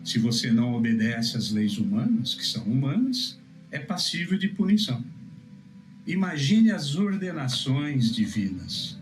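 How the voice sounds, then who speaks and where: A Brazilian man gives religious teaching in a measured, emphatic manner. His voice sits at a middle pitch and rings with noticeable room echo. Music plays faintly behind him. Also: sing-song. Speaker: preacher. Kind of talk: religious teaching, scripture exposition.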